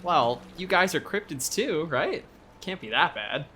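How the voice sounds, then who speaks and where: A man's voice: a little high, animated, measured pace, pushed and bright, a little hiss or hum. An actor playing a friendly, easygoing young man from an island town in an audio drama, casual and reassuring. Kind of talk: naturalistic audio drama acting.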